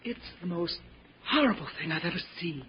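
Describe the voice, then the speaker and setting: A woman's voice: fairly low pitch, lively intonation, brisk, husky. A woman playing a distraught, indignant captive heroine in an old-time radio drama, urgent and pleading. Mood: horrified. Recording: muffled, noisy old radio recording.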